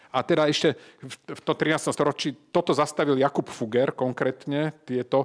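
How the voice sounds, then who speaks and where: In a very clean recording with a silent background, a man with a Slovak accent speaks at a moderate pace with fairly high pitch and fairly even intonation, the sound dry and close with no echo. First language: Slovak (speaking Czech). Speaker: civic association representative. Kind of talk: panel discussion.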